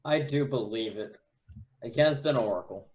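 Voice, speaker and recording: Mid-pitched man as earnest young prince. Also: normal speed, a little mellow, natural voice. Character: Ferdinand, earnest honorable young prince in love. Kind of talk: Shakespeare performed as a radio play.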